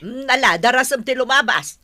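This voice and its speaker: A woman voicing a stern older mother in an audio drama, sharp when scolding and fond with her children. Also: high voice, animated, brisk.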